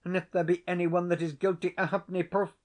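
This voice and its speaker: A man's voice: high voice, level tone, quick pace, pitched above the performer's own voice, close to an everyday voice. A man voicing a desperate, pleading Scottish tenant who speaks in broad Scots dialect. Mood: defensive.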